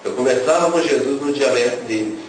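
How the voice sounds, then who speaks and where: Speaking a little fast in a medium-pitched voice, a man shares an emotional religious testimony, relating his story and enacting the dialogue. He sounds distant in an echoey, noisy room.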